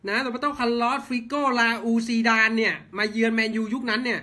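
A man's voice: extremely high pitch, fast talker, sharp tone. A man ranting blunt football commentary, heated and swearing, firing off rhetorical questions. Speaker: football fan channel host.

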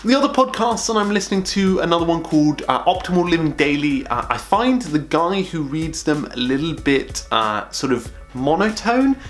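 A man's voice: a little high, normal speed, few pauses, faint music behind. A young man talking to camera from a small home office, sharing monthly recommendations in a chatty, upbeat way and lifting his voice at each new item. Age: young adult. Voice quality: calls his own voice monotone. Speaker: productivity vlogger. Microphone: camera close up at desk.

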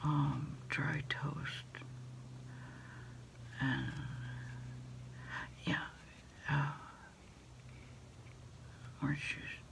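A middle-aged woman doing a hushed ASMR roleplay, unhurriedly taking orders into a phone handset. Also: low voice, level tone, drawn-out words, creaky, long pauses. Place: small indoor desk space.

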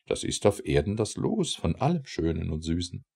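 A man's voice: sits low, very animated, moderate pace, gravelly, darkish tone, breathy edge, full character voice. A man voicing a proud, stately city goddess from a verse tale, declamatory and grandiose. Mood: mournful, dramatic.

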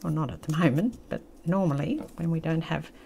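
Low-voiced older Australian woman, creaky. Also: a little fast, dark tone, slight background noise. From country New South Wales, Australia. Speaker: craft channel host. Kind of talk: casual craft tutorial chat, reminiscing. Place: indoors at a craft table.

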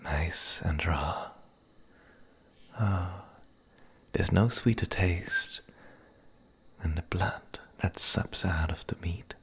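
A man voicing a gentle, playful male werewolf in an ASMR roleplay, speaking softly and intimately, often in a whisper. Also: low-pitched, exaggerated voice. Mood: hungry, hushed. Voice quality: husky, breathy, gravelly. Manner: soft, intimate, halting.

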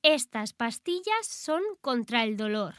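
A woman reading short phrases slowly and clearly, repeating each one for language learners. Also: fairly high pitch, sing-song, dry recording, studio quality. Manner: clear, careful, deliberate enunciation. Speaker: language teacher.

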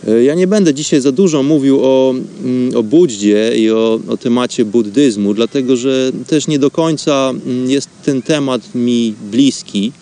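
Male host, mid-pitched voice. Reflective, wordy storyteller for an informal spiritual radio monologue. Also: measured pace, few pauses, dark tone.

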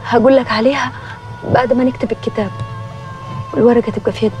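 An actress plays a blunt, calculating village woman. She speaks fast in a fairly high voice, with soft music behind her. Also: fairly even intonation, natural voice. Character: scheming village woman pressing for marriage. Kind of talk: TV drama acting.

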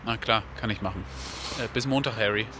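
A man's voice: fairly low pitch, brisk, background noise, natural voice. An actor playing an easygoing, friendly man in an audio drama. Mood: casual.

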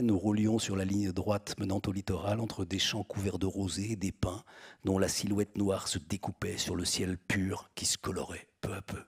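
A man reading a novel aloud in a slow, deliberate way, pausing and hesitating now and then. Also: fairly low pitch, gravelly, a little mellow, slightly rough. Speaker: reader.

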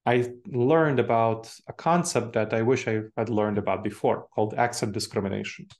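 A man's voice: medium pitch, fairly even intonation, normal speed, a little mellow. A man in his forties with an Eastern European accent, from Moldova, giving an online talk to professionals from a home office with bookshelves, chatty and engaging with a live chat. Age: 40s. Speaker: speaker. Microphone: webcam video call with earbuds.

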